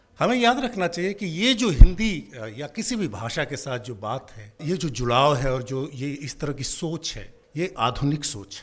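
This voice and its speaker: Very wide pitch swings and big swings in loudness. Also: man, fairly high pitch for a man. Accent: Bihari. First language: Magahi (speaking Hindi). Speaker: panel speaker, academic. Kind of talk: panel talk. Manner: hesitant with frequent fillers.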